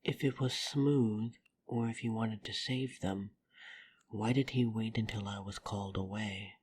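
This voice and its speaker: A woman playing a polite, steadfast vampire in a fantasy audio drama, earnest and soft-spoken, with a breathy half-whisper. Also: fairly even intonation, unhurried. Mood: firm, protective. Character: polite, steadfast young female vampire coffee house worker. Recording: noisy microphone with rumble and clicks.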